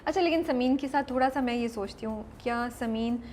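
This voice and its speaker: A woman's voice: a little high, brisk, a little mellow, slight background noise. Chatty code-switching woman interviewer. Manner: chatty, switches often between Urdu and English. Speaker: interviewer, magazine host. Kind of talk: casual interview chat.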